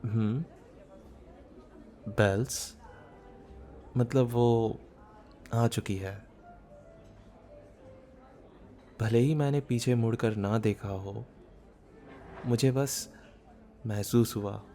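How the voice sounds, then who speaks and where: A man acting a shy, bookish man in his thirties in an intimate ASMR romance roleplay, speaking softly as if musing, with some background noise. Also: mid-range voice. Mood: wistful musing. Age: 30s. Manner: soft, unhurried, intimate, musing. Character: shy, bookish, self-doubting thirty-year-old man, tender romantic lead. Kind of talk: ASMR boyfriend roleplay audio drama.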